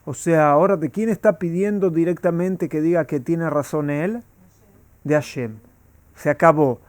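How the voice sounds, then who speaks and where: A man's voice: fairly high pitch, darkish tone, dry recording. A man, a rabbi, teaching a Talmud class and asking his students rhetorical questions.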